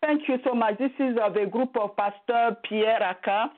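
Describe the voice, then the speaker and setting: A woman hosts a live interview in a polite, halting way. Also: fairly high pitch. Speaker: interviewer, guest host. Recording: tinny phone line.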